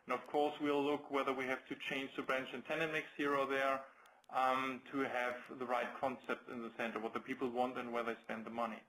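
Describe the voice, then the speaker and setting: A man's voice: medium pitch, little pitch movement, brisk, a bit bright, rough recording. A man with a German accent speaking as a company executive, answering questions on a business conference call in careful, hesitant phrases. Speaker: company executive presenting results.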